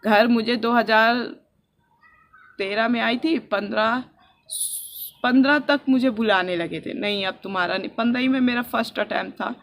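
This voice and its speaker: A young woman from India talking softly and earnestly in a personal vlog, recorded outdoors on a rooftop with a phone on a selfie stick. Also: a little high, moderate pace. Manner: earnest and heartfelt, speaking softly. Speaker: vlogger.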